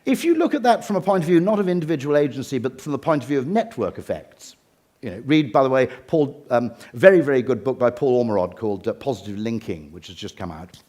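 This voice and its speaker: A man's voice: mid-range voice, very animated, fast talker, dark tone. A man with an English accent giving a humorous talk on stage, wry and full of digressive asides. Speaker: conference speaker. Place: stage before a live audience.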